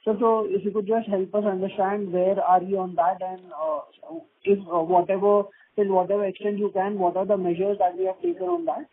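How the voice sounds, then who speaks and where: A woman's voice: medium pitch, a little fast. A woman asking questions as a caller, polite, wordy and hesitant. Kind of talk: unscripted question on earnings call. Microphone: telephone conference call. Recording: narrow phone line.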